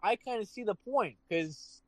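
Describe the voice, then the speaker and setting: A man's voice: high voice, expressive, unhurried, no room sound, poor audio. A man co-hosting a casual chat show, rambling and swearing, often restarting his sentences. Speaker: podcast co-host.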